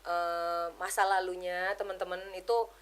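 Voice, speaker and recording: A woman giving an emotional personal testimony as a podcast guest, telling it in an animated way and keeping the host close in the talk. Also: on the low side, measured pace, smooth. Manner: animated storytelling, keeps addressing the host as brother; drops English words into her speech.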